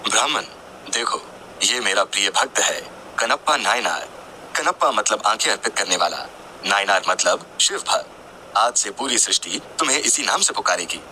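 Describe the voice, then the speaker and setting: A man voicing a calm, forgiving Hindu god who makes stately, formal pronouncements in a devotional story. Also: lowish voice, normal speed, slight background noise, low-quality recording. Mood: solemn, benevolent.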